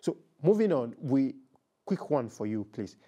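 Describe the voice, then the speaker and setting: A man's voice: mid-range voice, sing-song, a little slow, mellow. A man hosting a conversational interview, affirming his guest and echoing their words. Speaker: talk show host.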